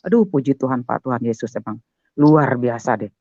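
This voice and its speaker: Older man with a gravelly voice. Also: medium pitch, brisk, no room sound. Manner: animated, keeps addressing the listener as "Pak". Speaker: guest sharing a conversion testimony. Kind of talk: conversational storytelling testimony. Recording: dull, muffled, dry sound.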